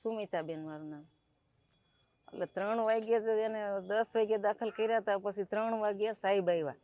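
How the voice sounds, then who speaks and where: A middle-aged woman gives an emotional eyewitness account as a relative of the patient, acting out the staff's words and her own in rapid back-and-forth dialogue. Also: medium pitch, dark tone, no echo. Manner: recounts events by quoting staff and herself in rapid dialogue.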